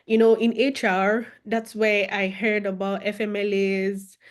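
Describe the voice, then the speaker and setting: A young adult woman with a Nigerian accent, telling her story as an interview guest in an expressive, animated way. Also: mid-range voice, unhurried. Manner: expressive, animated, with laughter and repeated phrases. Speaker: guest, former international student.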